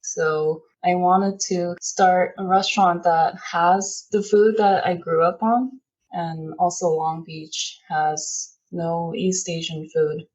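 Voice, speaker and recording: Korean-born lady, lower voice, easygoing chat about her restaurant, kinda muffled audio. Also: slow pace. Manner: relaxed, chatty, laughs now and then. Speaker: guest, restaurant owner. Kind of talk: casual interview talk.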